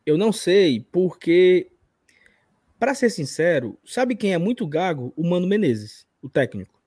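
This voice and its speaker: A man's voice: high voice, big pitch swings, a little slow, a little mellow, no room sound, clean studio sound. A man with a Northeastern Brazilian accent from Ceará and an occasional stutter, casually telling personal stories as a podcast host. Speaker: podcast and live stream host.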